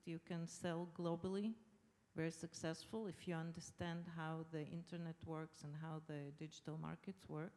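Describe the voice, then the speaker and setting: A woman's voice: fairly low pitch, a little mellow. A middle-aged woman from Israel, a native Hebrew speaker with an Israeli accent, explaining her points as a panelist. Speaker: panelist, government official. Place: large conference hall. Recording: long hall reverb.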